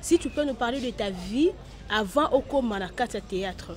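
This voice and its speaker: A woman interviewer with a hoarse voice from a cold, asking loose, rambling questions outdoors. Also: on the high side, animated, normal speed, very noisy. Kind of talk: interview questions, French and Lingala.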